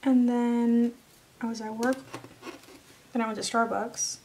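Slow-talking young woman, chatty. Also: fairly high pitch, little pitch movement. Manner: chatty, slips into soft whispers at times. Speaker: planner vlogger. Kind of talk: casual voice-over narration. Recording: background noise.

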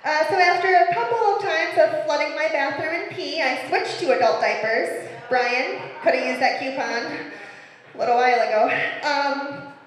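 A woman in her thirties delivers a stand-up set into a handheld mic, telling her stories in a dry, self-mocking way. Her voice sits high. The club room rings with heavy echo and a long reverb tail. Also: moderate pace. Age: 30s. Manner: deadpan, self-mocking storytelling. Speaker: stand-up comedian. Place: comedy club stage.

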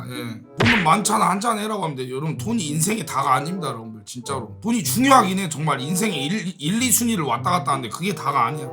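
A man live-streaming a football watch-along, blunt and excitable, yelling and swearing at the plays. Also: fairly high pitch. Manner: excitable, shouts and yells at plays.

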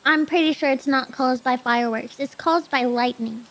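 A woman chatting casually as a vtuber guest, giggly and excitable. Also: sits high, moderate pace, poor audio. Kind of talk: casual stream chat.

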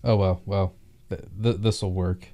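A male tutor talks through a worked problem in a low, mellow voice. His intonation stays very flat. He goes haltingly, thinking aloud in an informal, explanatory way. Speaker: math tutor.

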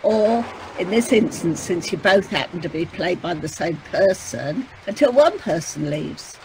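A woman's voice: fairly low pitch, expressive, unhurried. A woman playing a cheeky, officious manservant in an audio pantomime, with a dry, mock-formal manner. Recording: faintly noisy video-call recording.

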